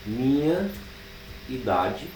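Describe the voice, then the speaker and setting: A Brazilian man teaching programming, thinking aloud as he types code, with drawn-out fillers. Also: mid-range voice, big pitch swings, darkish tone, far from the mic. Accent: Brazilian Portuguese. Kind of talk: live coding class. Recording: echoey room, speaker away from the mic, faint background noise.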